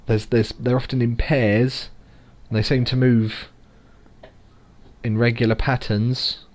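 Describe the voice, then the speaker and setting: A man's voice: lowish voice, darkish tone. A young man with a London accent, co-hosting a podcast in loose, jokey chat full of fillers. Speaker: podcast co-host. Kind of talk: casual chat.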